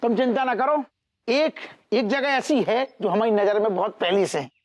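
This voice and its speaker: An actor playing a jovial small-town police inspector, drawling rustic banter. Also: male voice, sits high, normal speed, lightly acted. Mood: jovial teasing.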